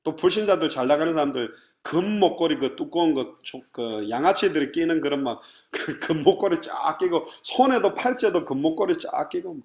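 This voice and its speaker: A pastor preaching a sermon, animated and acting out the people he describes. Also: on the high side, brisk. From Korea. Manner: animated preaching, mimicking complainers.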